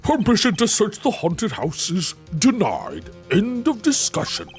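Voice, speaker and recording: A woman voicing a smug, pompous wealthy older man who talks in a slow, gloating way. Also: mid-range voice, huge pitch swings, a little mellow, soft background music, pitched above the performer's own voice. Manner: slow, gloating, drawn-out delivery.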